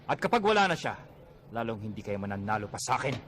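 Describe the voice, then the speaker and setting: A man's voice: fairly low pitch, sing-song, fast talker, very noisy. A man voicing an arrogant, menacing villain in an anime dub, taunting and scornful. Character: arrogant, taunting male villain who commands a flame servant. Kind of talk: Tagalog anime dub acting.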